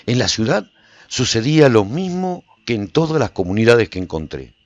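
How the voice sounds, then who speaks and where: A man playing a solitary, reflective survivor who recounts his travels in measured, theatrical radio drama narration. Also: medium pitch, big pitch swings, no echo, dull audio, natural voice. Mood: observant, reflective. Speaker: narrator and lead actor of a radio serial.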